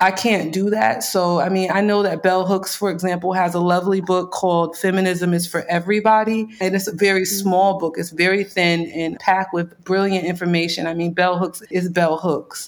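A moderate pace in an American accent, with fairly even intonation, hardly any pauses, and noticeable background noise. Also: woman, medium pitch for a woman. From northern US, family from the South. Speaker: rapper and hip hop archivist. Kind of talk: interview conversation.

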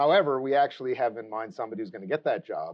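A plain, everyday voice carries lively intonation. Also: man. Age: 60s. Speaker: professor and book author. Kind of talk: book talk lecture.

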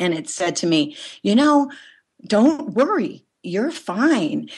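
Over a quiet background, a woman speaks with very wide pitch swings. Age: 50s. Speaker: energy healer and author. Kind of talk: interview.

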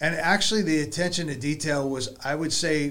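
A man with an American accent speaks at a moderate pace, with a fairly high pitch and ordinary pitch variation. It is an unremarkable speaking voice. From rural Oregon. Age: 50s. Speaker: home inspector. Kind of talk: casual interview chat. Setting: studio.

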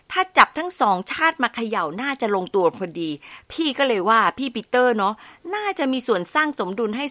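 A woman with a fairly high pitch and a bright, sharp tone swings her pitch very widely, recorded dry and close with no echo. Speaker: podcast host. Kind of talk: casual interview.

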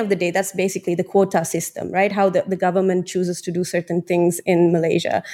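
A woman at medium pitch with a dark, mellow tone, on a very clean recording with a silent background. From Indonesia. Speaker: podcast guest. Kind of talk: casual chat. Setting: studio.

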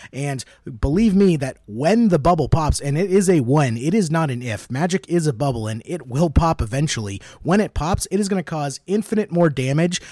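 On a very clean recording with a silent background and a dry, close sound with no echo, a man speaks at a moderate pace in a dark, mellow tone with lively intonation. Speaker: podcast host. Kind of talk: casual debate. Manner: articulate.

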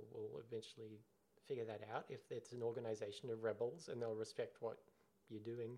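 The speaker is a man at a moderate pace. He talks in an Australian accent. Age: young. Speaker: musician and podcaster. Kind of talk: casual interview chat.

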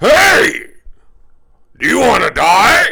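A man's raspy, put-on character voice at an extremely high pitch. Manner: menacing.

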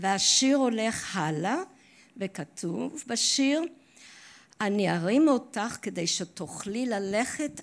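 On a very clean recording with a silent background, a woman with a medium-pitched voice speaks very slowly, her pitch swinging very widely. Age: 70s. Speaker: congregation member. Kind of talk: testimony.

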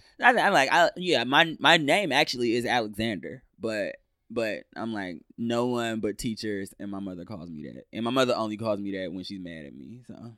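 An ordinary speaking voice from a man at medium pitch, with lively intonation, a moderate pace and hardly any pauses, on a very clean recording with a silent background. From Detroit, US Midwest. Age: 20s. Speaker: comedian and TV writer. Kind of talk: casual chat.

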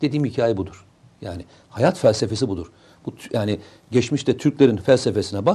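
A man's plain, everyday voice at a medium pitch, fairly quick, with lively intonation and big swings in loudness. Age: 50s. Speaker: security and defence commentator, author. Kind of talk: casual chat.

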